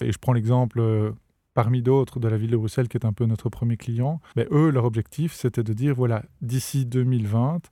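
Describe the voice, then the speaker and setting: A Belgian man with a Belgian French accent and a mellow, dark tone, speaking at a middle pitch. He explains his business patiently in an interview, often doubling words as he gathers his thoughts. The sound is dry and close. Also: dry recording. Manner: explanatory, repeats words while thinking. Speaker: startup founder guest. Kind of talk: podcast interview.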